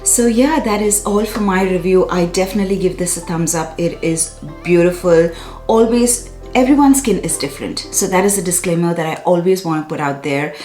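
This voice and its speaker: A woman's voice: on the low side, brisk, warm tone, reverberant, faint music behind. A woman in her thirties chatting to camera in a casual beauty review, effusive and often correcting herself. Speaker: beauty vlogger. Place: small bright room indoors.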